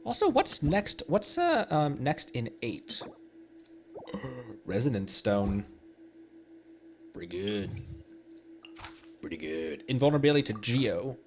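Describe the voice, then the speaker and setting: A man's voice: mid-range voice, huge pitch swings, takes it slowly, long pauses, a little hiss or hum. A young man chatting on a gaming livestream, rambling and making puns while he laughs often. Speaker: streamer. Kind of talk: casual gaming livestream chat.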